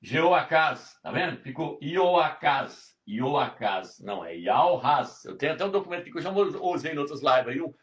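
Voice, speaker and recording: Emphatic preacher, slightly high voice. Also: male voice, expressive, quick pace, hardly any pauses, a bit bright. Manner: emphatic, repetitive, keeps asking "tá vendo?". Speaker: religious teacher. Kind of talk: live-stream Bible teaching.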